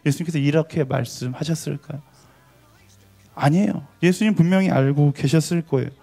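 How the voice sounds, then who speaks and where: A male pastor with a slightly higher-than-average voice preaches at a church worship service. He tells the story in an animated way, acting out the scene and asking the congregation questions. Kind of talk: sermon.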